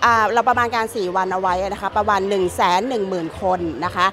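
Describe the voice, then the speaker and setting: Fast-talking middle-aged woman organizer. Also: medium pitch, steady tone, a bit bright, soft background music. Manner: fast, matter-of-fact, with repeated restarts. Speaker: event organizer. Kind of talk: interview answers. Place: indoor event hall. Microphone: several handheld press mics.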